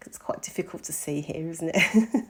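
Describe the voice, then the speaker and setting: A middle-aged woman with a croaky voice, recovering from an illness, talks casually through a craft tutorial with frequent ums. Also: low-pitched, normal speed.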